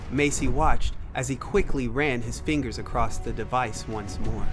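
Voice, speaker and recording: A man narrating a scripted dramatic story. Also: mid-range voice.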